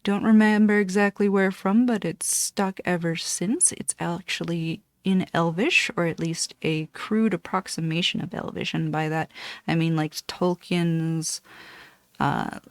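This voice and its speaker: A woman in her late thirties, raised speaking Spanish, talks in a loose, wandering way and often corrects herself as she goes. Her voice sits a little low and moves at an unhurried pace. The sound is close and dry, with almost no room around it. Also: fairly even intonation, no echo. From Costa Rica. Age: 30s. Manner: meandering, self-correcting, chatty. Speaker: cross-stitch vlogger. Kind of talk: rambling casual chat. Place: dark room at home.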